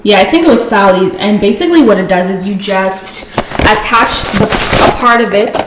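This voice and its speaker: A woman's voice: mid-range voice, moderate pace. Chatty young woman vlogging in echoey room. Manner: chatty, self-correcting, talks through each step. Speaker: beauty vlogger. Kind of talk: casual hair-care vlog. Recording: echoey home room, faint ambient noise.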